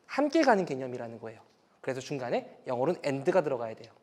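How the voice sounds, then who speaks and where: A man's voice: medium pitch, fast. A man giving an online lecture to parents, explaining step by step and acting out what parents and children say. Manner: animated, acts out parent and child lines; explains step by step in plain terms.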